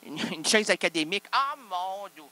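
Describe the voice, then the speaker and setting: A man's voice: sits high, lively intonation, normal speed, sharp tone. A man, hosting an improvised solo comedy show full of absurd, self-interrupting wordplay. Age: 30s. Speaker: host.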